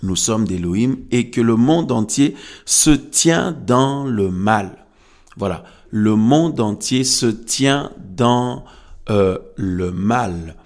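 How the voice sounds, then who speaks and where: A man preaching a sermon, teaching from scripture in a halting way and repeating phrases for emphasis. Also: mid-range voice, expressive, a little mellow. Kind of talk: French-language evangelical sermon, teaching from Bible verses. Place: room with some resonance.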